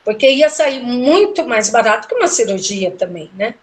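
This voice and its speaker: A middle-aged woman recounting a personal story in a casual interview, animated and emotional, acting out the voices of the people she spoke with. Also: a little high, normal speed. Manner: emotional, animated retelling with quoted dialogue. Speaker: guest telling a personal story.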